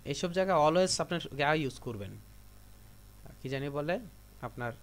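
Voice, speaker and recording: In a live computer lesson, a Bangladeshi man takes his students through instructions step by step, repeating himself often. He sounds animated, with a slightly high voice and a moderate pace.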